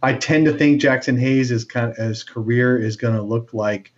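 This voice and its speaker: A man's voice: medium pitch, fairly even intonation, moderate pace. A man co-hosting a casual sports podcast, talking with lots of fillers and restarts. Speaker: podcast co-host. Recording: dull lo-fi sound.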